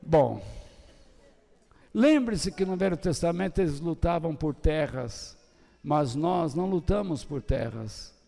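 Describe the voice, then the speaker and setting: An older man with a Brazilian Portuguese accent preaching a sermon, swinging between loud high bursts and soft low trailing ends. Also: animated, slow, gravelly. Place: church hall. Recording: long church hall reverb.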